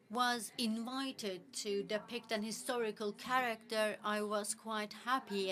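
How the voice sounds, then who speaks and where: A woman giving live spoken interpretation into English for a panel, speaking in halting phrases with frequent restarts and fillers. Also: mid-range voice, a bit bright.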